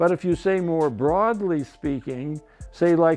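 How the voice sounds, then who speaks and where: Over music in the background, a man talks at a fairly slow pace with fairly high pitch and lively intonation. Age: 70s. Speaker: streetwear collector, former art history teacher. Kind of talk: interview answer.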